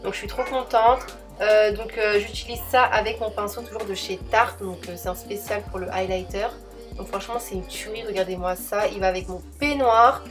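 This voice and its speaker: A young woman talks through her makeup routine in a chatty, enthusiastic voice-over. Her voice sits at an ordinary middle pitch. Quiet music plays beneath her. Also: fairly even intonation, moderate pace. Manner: chatty, enthusiastic, addresses viewers as girls. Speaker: beauty vlogger.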